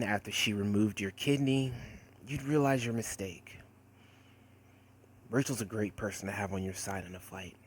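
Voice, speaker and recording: A man voicing a sarcastic, wisecracking teenage boy who narrates in a wry, conversational monologue with dramatic pauses. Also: fairly low pitch, a little hiss or hum, lightly acted. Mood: teasing. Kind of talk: first-person character monologue, voice acting demo.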